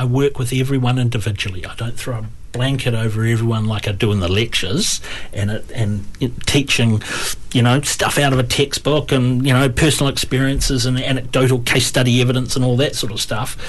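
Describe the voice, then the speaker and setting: Against noticeable background noise, a man at a medium pitch speaks at a fairly quick pace with fairly even intonation. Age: 50s. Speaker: business lecturer and mentor. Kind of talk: interview. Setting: radio studio.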